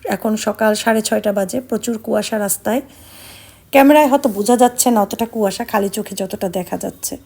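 A middle-aged woman from Bangladesh narrating her vlog in a soft, subdued, reflective way, sounding sad and tired. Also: mid-range voice, brisk, creaky, breathy edge. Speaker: vlogger.

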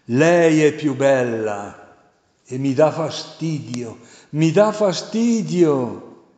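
A man voicing a raging, hateful male demon who rants in a shrill, strained voice. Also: lively intonation, extremely slow, a little mellow. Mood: hateful, agitated. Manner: shrill, strained ranting with repeated outbursts. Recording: roomy, reverberant hall sound.

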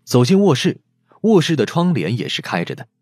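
A man's voice: medium pitch, wildly swooping pitch, fairly quick, darkish tone, no echo, faint music behind. A man reading a novel aloud as a dramatic audiobook narrator.

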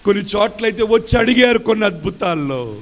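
A male pastor preaching a sermon, swinging between shouted, sung exclamations and soft, tender speech. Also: high-pitched, animated, fast talker.

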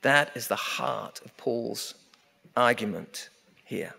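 A middle-aged man preaches from a pulpit microphone, his voice carrying a long church reverb. He speaks at an ordinary pitch and leans hard on repeated phrases, slowing down to drive each one home. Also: creaky, bright, forceful tone, husky. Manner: emphatic, repeating key phrases, slowing down for weight. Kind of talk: sermon. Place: church sanctuary at a wooden pulpit.

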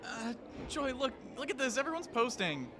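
A young man acting a cocky, theatrical high school boy playing Romeo, flippant and melodramatic, in a comedic audio drama. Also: sing-song, normal speed, noisy background. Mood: eager, scheming. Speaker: actor.

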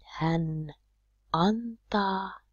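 A woman with a low voice teaches a lesson at a slow, deliberate pace, spelling out each word so learners can follow. The sound is dry and a little dull, with no room around it. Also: no echo. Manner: slow, deliberate, repeating words clearly for learners. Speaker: Finnish language teacher.

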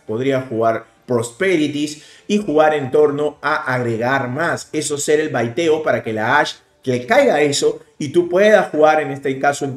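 Animated Peruvian man explaining card plays. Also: a little high, reverberant. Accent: Peruvian Spanish. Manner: animated, explaining plays rapidly with bursts of emphasis. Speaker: card game streamer. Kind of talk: casual gameplay commentary. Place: indoor room, webcam overlay.

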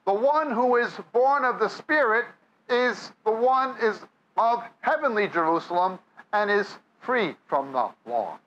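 A man's voice: sits high, animated, measured pace, fairly bright tone, dull audio, a little hiss or hum. A man with a New York accent preaching a sermon, reading scripture aloud and then explaining it to a live audience. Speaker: Bible teacher. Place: church or meeting hall with audience.

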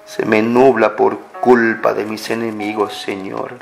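A man leading a slow, fervent spoken prayer, pleading and pausing often. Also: lowish voice, flat delivery. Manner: pleading, fervent, many pauses. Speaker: prayer leader. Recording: clear music bed under the voice. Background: music.

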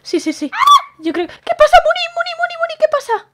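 Here a roleplay channel host's voice sits high and animated at a moderate pace, in a very noisy recording. In an improvised game roleplay she plays a fussy, easily scared young woman, jittery and flustered, stammering and repeating herself whenever she's startled.

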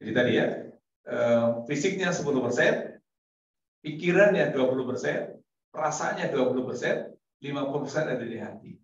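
A man's voice: mid-range voice, expressive, normal speed, pauses often. A man giving a casual sermon to a congregation, chatty, laughing often and acting out little dialogues. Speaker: preacher. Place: mosque hall. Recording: echoey hall from far off, dull sound.

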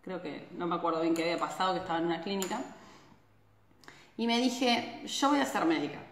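A woman's voice: fairly low pitch, a little fast. A woman in her thirties from Argentina with an Argentine Spanish accent, hosting a casual live stream, chatty and full of tag questions, filmed on a phone at arm's length in a small indoor room. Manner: chatty, frequent tag questions, animated hand gestures. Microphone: phone camera at arm's length. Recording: echoey room.

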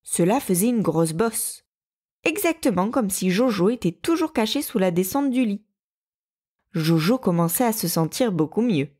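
A woman storyteller reads a children's tale aloud. Her voice sits in a middle register, and she gives the narration a lively, expressive lift. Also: medium pitch, normal speed.

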